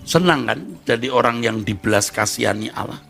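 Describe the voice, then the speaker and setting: A middle-aged man preaching a sermon as pastor, talking in a conversational way, acting out short everyday dialogues and breaking into sudden high emphatic bursts. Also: brisk, creaky, a bit bright. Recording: music playing underneath.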